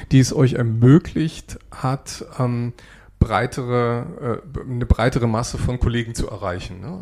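Gravelly male co-host, hesitant questions. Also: mid-range voice, a little mellow. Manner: hesitant, many fillers while framing questions. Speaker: podcast co-host. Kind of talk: interview questions.

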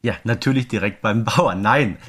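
A man's voice: fairly low pitch, normal speed, fairly bright tone. A man co-hosting a podcast in casual, enthusiastic chat, telling things emphatically with plenty of rhetorical questions. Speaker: podcast co-host.

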